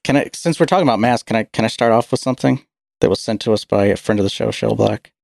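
A man co-hosting a podcast in casual chat, speaking haltingly and stuttering, with low energy. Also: vocal fry, darkish tone, no echo, clean studio sound. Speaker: podcast co-host.

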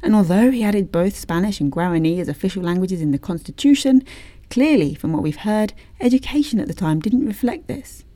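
Female host-narrator, warm tone, dry close recording, scripted but cheeky. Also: medium pitch, animated, normal speed, no room sound. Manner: wry, informal asides.

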